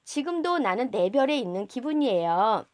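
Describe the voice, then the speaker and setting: A wistful little prince in a storybook, speaking politely and innocently in a high, lilting voice, as a woman reader plays him. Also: big pitch swings, moderate pace, a little mellow, no echo, clean studio sound. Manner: polite, simple childlike phrasing.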